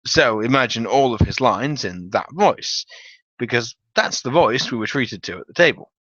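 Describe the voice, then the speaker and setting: A man narrates a comic gaming tale as a dramatic reading. His delivery is theatrical and wry, with very lively intonation and a bright, forceful edge. The sound is dry and a little dull. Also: mid-range voice, moderate pace, no room sound. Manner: theatrical storytelling with wry emphasis. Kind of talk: dramatic reading of a comic tabletop-game story.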